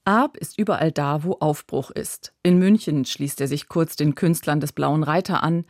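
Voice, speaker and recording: A woman with a notably low voice reads a scripted radio feature, crisp and clipped in her phrasing. The sound is dry and close, with no room around her. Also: no room sound. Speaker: radio feature author and narrator.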